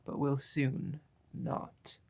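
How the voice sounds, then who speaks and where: A man's voice: mid-range voice, little pitch movement, creaky, darkish tone, husky. A man reading a creepypasta aloud in a put-on spooky voice, breaking off for sarcastic comments to the listener. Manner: sarcastic asides mid-reading; deliberately drawn-out spooky delivery. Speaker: creepypasta reader. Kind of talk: mock-spooky comedic story reading.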